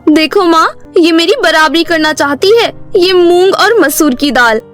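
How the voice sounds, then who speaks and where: A shrill bratty stepsister. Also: female voice, expressive, measured pace, a bit bright, soft background music. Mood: mocking. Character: spoiled, boastful young woman, scheming stepsister. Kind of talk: animated storybook voice acting.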